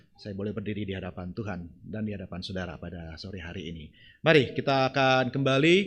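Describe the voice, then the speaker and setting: A man talks very fast in a fairly low voice with lively intonation and big swings in loudness. The background is quiet. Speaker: preacher. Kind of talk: sermon. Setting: church. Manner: soft-spoken.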